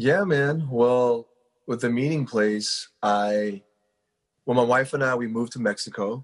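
A man with an American accent talks in a normal speaking voice at a fairly slow pace, with a medium pitch and ordinary pitch variation. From South Korea (US Army base). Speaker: ministry director. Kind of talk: casual interview.

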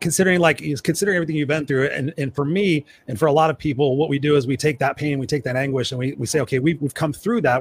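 The voice is somewhat breathy, with ordinary pitch variation, at a very fast pace. The sound is dry and close, with no echo. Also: man. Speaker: podcast co-host. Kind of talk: casual chat. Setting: video call.

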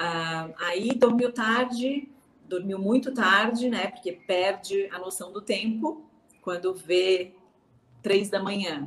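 A woman speaks at a very slow pace and medium pitch, with ordinary pitch variation, big swings in loudness and noticeable background noise. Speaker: YouTube show host. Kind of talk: interview.

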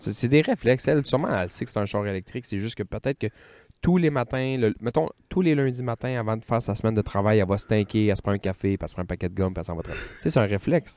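The voice has a dark, mellow tone and lively intonation at a very fast pace. The sound is dry and close with no echo, on a very clean recording with a silent background. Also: man, medium pitch for a man. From Quebec, Gaspésie. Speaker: podcast co-host. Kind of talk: casual chat.

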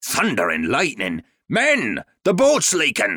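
Bellowing at a fairly slow pace, a man performs a put-on character voice. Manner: bellowing, alarmed.

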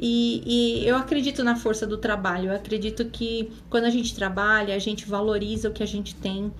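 A woman talks at a fairly quick pace with hardly any pauses, her fairly high pitch held in fairly even intonation. The recording has audible room echo and noticeable background noise. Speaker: co-host. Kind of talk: live stream talk.

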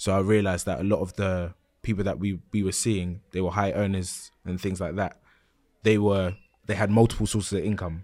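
This man has a London accent and a fairly low pitch, speaking at a fairly quick pace. His intonation is monotone and flat, and the recording is very clean with a silent background. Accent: London, multicultural London English. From south London (Brixton). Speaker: property business founder. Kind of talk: casual interview chat.

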